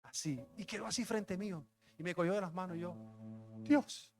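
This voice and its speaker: A young adult pastor with a high voice speaks fast, sharing a personal testimony in a conversational, emotional sermon peppered with street slang. Faint music plays behind him.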